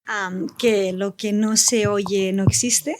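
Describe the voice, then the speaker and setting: A woman's voice: medium pitch, steady tone, takes it slowly. A woman talking casually as a guest writer on a live panel. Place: live event venue with audience.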